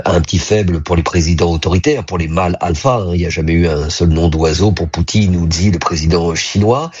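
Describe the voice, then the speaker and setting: A man speaks as a guest analyst, his low voice husky and a little breathy. He talks in measured stretches broken by frequent hesitations, then leans hard on key points. The sound comes over a dull, lo-fi remote line. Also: a little mellow. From United States. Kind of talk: live news interview commentary.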